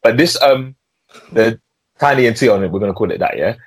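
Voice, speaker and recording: A man's voice: medium pitch, brisk, slightly rough, no echo, poor audio. London roadman-accented young man, dry close sound. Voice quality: urban London street slang delivery. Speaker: podcast host. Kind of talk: casual music podcast chat.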